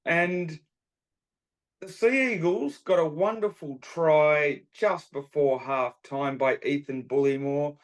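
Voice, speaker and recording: An Australian man with a fairly high-pitched voice co-hosts a casual sports podcast, taking his time as he runs through the scores. His phrasing is enthusiastic and colourful.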